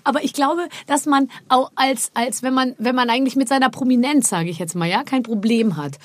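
A woman hosting a podcast interview, chatting in a lively way and laughing often. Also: high voice, brisk, no room sound, studio quality. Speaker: podcast host. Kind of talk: casual interview chat.

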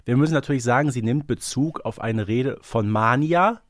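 A man's voice: mid-range voice, normal speed, no echo, studio quality. A man co-hosting a podcast, talking casually and analytically, wordy and thinking aloud as he goes. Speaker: podcast co-host. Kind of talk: casual fan discussion, analytical chat.

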